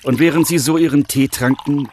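A man's voice: fairly high pitch, steady tone, fairly quick, slight background noise. Man narrating a children's fairy tale. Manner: warm storytelling.

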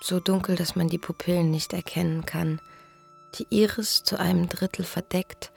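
An actress playing a dreamy young East Berlin woman in love, musing in a hushed, intimate radio drama diary monologue. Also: on the low side, gravelly. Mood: tender, dreamy.

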